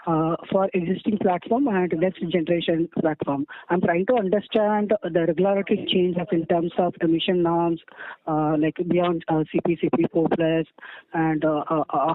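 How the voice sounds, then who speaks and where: A man working as a financial analyst asks questions on an earnings call in a halting, deferential, repetitive way. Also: a little high, a little hiss or hum. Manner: halting, deferential, repeats himself. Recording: tinny phone line.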